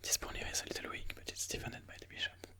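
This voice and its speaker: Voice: quick pace, bright, forceful tone. A person whispering breathily in an ASMR style, musing aloud move by move as they comment on their own chess game.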